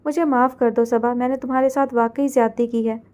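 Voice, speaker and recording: A pained, remorseful man begging forgiveness in a subdued voice, as a woman reader plays him. The tone stays high and mellow, read like a character in a spoken romance novel. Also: steady tone, a little fast, natural voice. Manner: apologetic, subdued.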